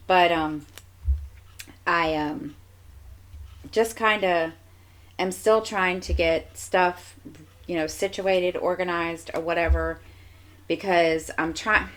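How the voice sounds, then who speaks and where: Lady w a low voice and the sniffles, rambling on w lots of ums. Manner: chatty, meandering, many fillers and restarts. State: stuffy nose, sniffles. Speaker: crafting vlogger. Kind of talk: casual rambling chat.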